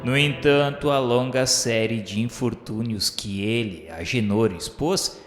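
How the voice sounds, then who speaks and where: A man playing a solemn narrator in a scripted radio drama, speaking in a formal, measured way. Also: mid-range voice, close to an everyday voice. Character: solemn male narrator recalling the spirit world. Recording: echoey long reverb, music bed.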